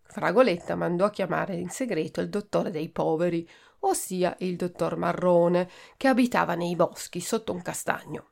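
Italian lady podcaster reading a kids book, expressive, gravelly voice. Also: on the low side, normal speed. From Italy. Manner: expressive, clear storytelling. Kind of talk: storybook read-aloud.

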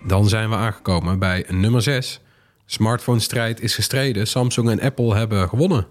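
A man's voice: fairly low pitch, normal speed, faint music behind. A man hosting a podcast, chatting casually about technology. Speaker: podcast host. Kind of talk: casual tech podcast chat.

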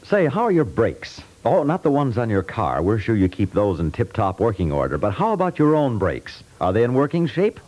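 An American man announcing a scripted 1950s radio public service message, measured and persuasive. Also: lowish voice, huge pitch swings, darkish tone, rough recording.

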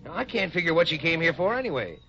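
Bright-voiced, lively, wry ranch foreman. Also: a little high, quick pace, soft background music, heavily acted. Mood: grumbling, wry. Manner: dry, folksy. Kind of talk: 1950s radio western acting. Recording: dull, faintly noisy old radio recording.

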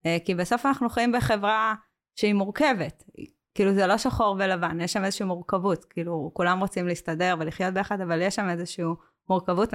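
Smooth-voiced woman, hesitant. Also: on the low side. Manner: hesitant, frequent filler sounds and restarts. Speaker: community worker, guest. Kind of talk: podcast interview conversation.

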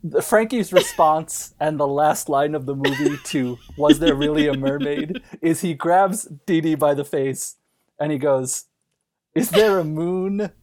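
A man's voice: on the high side, a little slow, darkish tone. A man as a podcast guest, riffing comically in a theatrical way, stammering and breaking into laughter. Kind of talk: casual chat, comic riffing.

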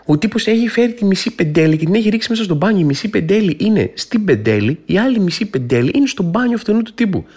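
A man's voice: high-pitched, few pauses, husky. A man hosting a podcast, telling a funny personal story in a comic monologue and acting out the voices in his head. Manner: animated storytelling, acts out inner voices. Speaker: podcast host.

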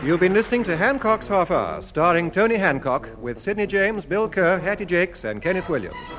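A male announcer reading the closing credits of a 1950s radio comedy in a measured, formal way. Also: high voice, big pitch swings, crowd noise. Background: theme music.

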